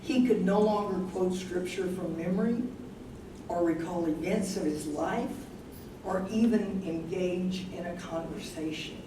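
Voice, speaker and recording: Her voice is low-ish, unhurried and natural as she reads the part of a professor's wife, thoughtful and anxious, troubled by her memory. The worried scene comes from a live staged reading in a room, recorded at a distance with noise and echo.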